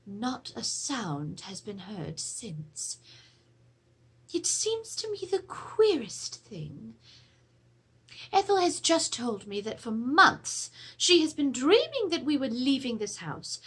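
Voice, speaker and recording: Casting: actress as genteel Edwardian lady of a haunted house, theatrical dramatic reading, slightly husky, very varied intonation. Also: a little high, slow pace, heavily acted. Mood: animated, astonished. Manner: formal, theatrical, expressive storytelling. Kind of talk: dramatic reading of a period letter. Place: small room with draped cloth backdrop.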